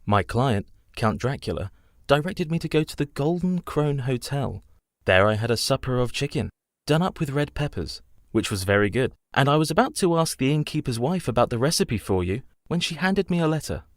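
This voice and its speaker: An actor playing a polite, proper young English solicitor in a radio play, speaking with an English accent and growing nervous. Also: male voice, medium pitch, expressive, moderate pace, no echo, studio quality, natural voice. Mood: letter narration.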